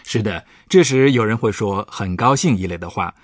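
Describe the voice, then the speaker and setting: A man's voice: fairly low pitch, lively intonation, moderate pace, dry recording. A man, a professor, patiently explaining German grammar points on a radio language lesson. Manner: patient, explanatory, stresses example words.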